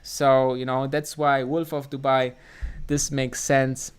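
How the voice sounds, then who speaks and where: A German man hosts a live stream from his home setup, reading viewer comments aloud. He speaks slowly with a German accent, and his voice is smooth and clear. He rambles, filling pauses with ums and restarting his sentences. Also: mid-range voice, flat delivery. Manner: rambling, many fillers and restarts. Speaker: livestream host answering chat. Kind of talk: casual live stream chat.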